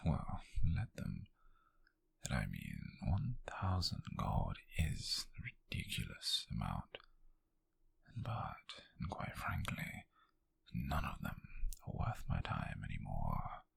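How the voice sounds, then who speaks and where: A British man playing a possessive, obsessive, smug wealthy captor in an intimate ASMR roleplay, husky and whispery, speaking softly and deliberately close to the mic. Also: rumbling low, huge pitch swings, exaggerated voice. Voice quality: breathy, husky, gravelly whisper. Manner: slow, deliberate, menacingly soft. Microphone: close microphone, dry.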